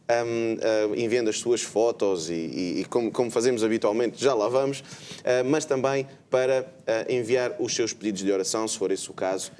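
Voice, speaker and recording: A man with a European Portuguese accent hosts a live religious TV show. His voice sits low, and he talks with many hesitant filler sounds. Faint ambience runs behind him. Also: darkish tone, slight background noise. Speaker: host.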